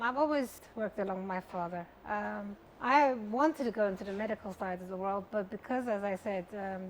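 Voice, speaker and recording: A woman's voice: medium pitch, slight background noise, poor audio. A middle-aged woman whose first language is Persian, a jewellery business owner telling stories in a chatty interview. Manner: chatty storyteller, lively when recounting. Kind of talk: interview conversation.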